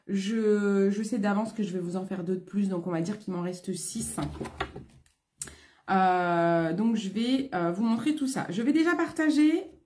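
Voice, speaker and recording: A French woman selling beauty products online runs a casual live stream, friendly and greeting viewers by name, with a throat thickened by a developing cold. She has a fairly high, darkish voice.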